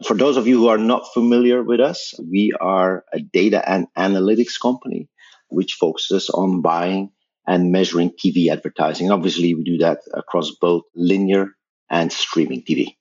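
A middle-aged man with a Belgian accent and a very low, husky voice talks through his ideas as a podcast guest, pausing on fillers and restarting phrases. The sound is dull and lo-fi. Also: darkish tone. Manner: thoughtful, explanatory, frequent fillers and restarts. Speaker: guest, company founder. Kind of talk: podcast interview.

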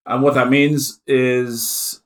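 A middle-aged Irishman speaks as a guest in a casual interview. His voice sits at a medium pitch and his delivery is chatty and informal, like someone explaining his own work to a colleague. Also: little pitch movement, slow pace, fairly bright tone. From Ireland. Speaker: conference organiser, interview guest.

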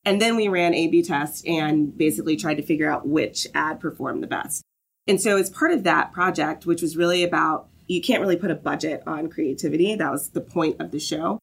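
A woman's voice: low voice, creaky, a bit bright, husky. A woman from the Southern US, a guest on a podcast interview, explaining her work fluently and often checking in with "right?". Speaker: guest, marketing lead.

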